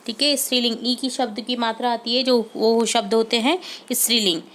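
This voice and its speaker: A woman, a teacher going through worksheet answers, patiently repeating each answer slowly and mixing in English words. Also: on the high side, fairly even intonation, a bit bright, a little hiss or hum.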